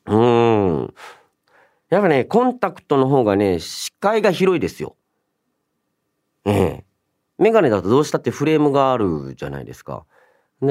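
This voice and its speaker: A man's voice: low voice, warm tone, no echo, clean studio sound. A young man hosting a radio show, talking casually and politely as he muses aloud and handles listener mail. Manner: chatty, musing aloud, polite but informal. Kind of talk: casual solo radio talk, reading and answering listener mail.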